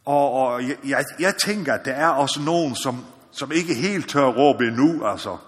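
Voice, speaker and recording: A man from the Faroe Islands preaching a sermon in an earnest, searching way, often checking in with his listeners and building up to loud calls. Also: mid-range voice. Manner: earnest, repeats "ikke også?", rises to loud exhortation. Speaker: missionary preacher. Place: church or meeting hall. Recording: long hall reverb.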